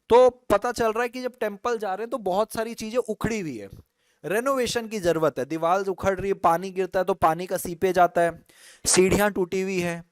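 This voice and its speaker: A man leads an online law lesson with a smooth, high voice. He jokes with students and acts out examples. The sound is close and dry. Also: dry recording. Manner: teasing students, lively storytelling. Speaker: law teacher. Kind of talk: online live class lecture.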